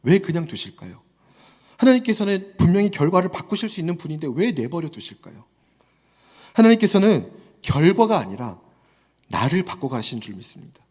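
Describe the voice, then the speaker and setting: In a large church hall with long reverb trailing every line, a man in his thirties delivers a Sunday sermon. His high, darkish, slightly breathy voice swings widely as he builds toward fervent exhortation, acting out little quotes along the way. Very animated, he talks a little fast and pauses often.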